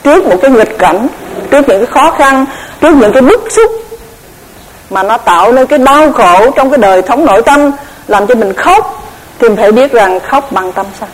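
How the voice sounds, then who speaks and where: A woman giving a Buddhist dharma lecture, measured and explanatory, often repeating words as she searches for the next one. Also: fairly high pitch, lively intonation, slight background noise, low-quality recording. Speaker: Buddhist Abhidhamma teacher.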